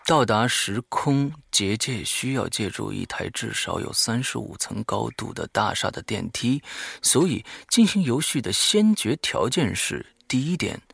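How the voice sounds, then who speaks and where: A man's voice: mid-range voice, gravelly, fairly bright tone, breathy edge, dry recording, clean studio sound. A man hosting a horror audio show, reading a diary aloud dramatically and breaking off for offhand, muttered asides.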